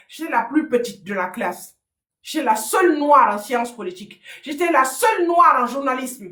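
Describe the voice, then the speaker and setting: A woman's voice: high voice, fairly bright tone. A woman, giving heated, sarcastic political commentary on a livestream and hammering her points home. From Guinea (Fouta). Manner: combative, sarcastic, repeats points. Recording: roomy echo.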